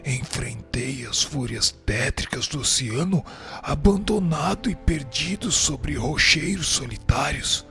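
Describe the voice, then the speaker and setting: Radio drama role: tormented male spirit, pious, self-justifying; gravelly, slow, highly animated pleading over music. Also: exaggerated voice. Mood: anguished, imploring. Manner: formal, florid, anguished pleading. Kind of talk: melodramatic radio drama acting.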